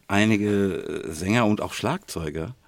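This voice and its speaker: A man with a German accent chatting casually as a podcast co-host, thinking aloud haltingly and often adding little tag questions. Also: on the low side, no room sound.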